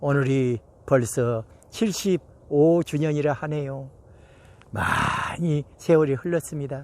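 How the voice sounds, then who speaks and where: Through noticeable background noise, a man speaks at a very slow pace in a fairly high pitch with ordinary pitch variation. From Korea. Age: 80s+. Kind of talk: personal reminiscence monologue. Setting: outdoors on a mountain. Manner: halting, many fillers.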